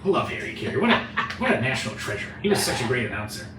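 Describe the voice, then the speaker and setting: A man's voice: medium pitch, very animated, very fast. A man co-hosting a casual chat show, joking and rambling playfully. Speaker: co-host, real estate agent. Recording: echoey room, mic at a distance, faint hiss.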